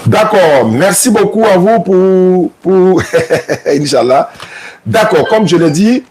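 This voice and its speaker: A man who is a Muslim preacher, taking callers on a live religious talk show and speaking in a calm, unhurried way that repeats things to confirm them. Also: high-pitched, noisy background.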